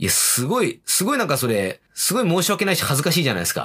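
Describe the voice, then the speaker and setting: The speech moves at a very fast pace. Its pitch swings very widely. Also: man. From Japan, Yokohama. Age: 30s. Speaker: rakugo storyteller, podcast host. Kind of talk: casual solo podcast talk. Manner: loud.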